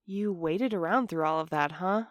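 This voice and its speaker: A woman's voice: lowish voice, normal speed, dry recording, studio quality, close to an everyday voice. An actress playing a betrayed woman in an audio drama, weary, cold and sardonic. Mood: bitter, weary. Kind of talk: scripted audio drama dialogue.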